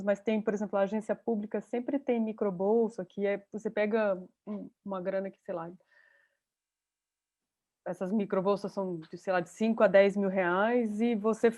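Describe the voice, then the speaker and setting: Over a video call, a woman with a medium-pitched, slightly mellow voice teaches an online journalism course. She talks chattily and thinks out loud as she goes.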